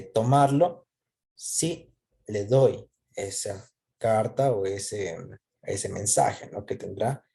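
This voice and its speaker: Deep, gravelly-voiced male teacher. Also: dark tone. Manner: didactic, frequent check-in tags. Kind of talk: explanatory lesson, asking and answering own questions.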